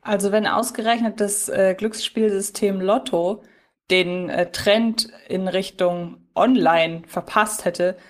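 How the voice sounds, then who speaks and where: A woman's voice: mid-range voice, fairly even intonation, slow pace. A woman co-hosting a podcast in casual chat, reflective and questioning, picking her words with care. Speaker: podcast co-host. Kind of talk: casual chat about audio drama episodes.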